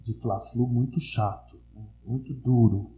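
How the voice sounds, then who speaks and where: A man in his sixties from Brazil with an Italian-influenced São Paulo accent, chatting casually as an interview guest and telling stories in a slangy, animated way. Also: medium pitch, unhurried, muffled recording. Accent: Italian-influenced São Paulo Portuguese. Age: 60s. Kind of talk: casual chat. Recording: roomy, echoey sound.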